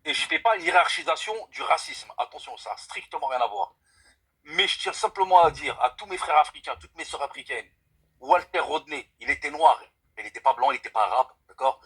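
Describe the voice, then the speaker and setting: A husky, bright-toned young man from France speaks on a live call. He argues earnestly and with emphasis, and he often repeats his points and swears by God to back them up. His voice sits a little high for a man. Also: animated, fairly quick, low-quality recording. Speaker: caller on a live stream. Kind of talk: casual debate call.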